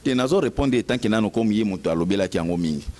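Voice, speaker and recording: A man's voice: fairly low pitch, expressive, fast talker, darkish tone. A Congolese man giving informal political commentary.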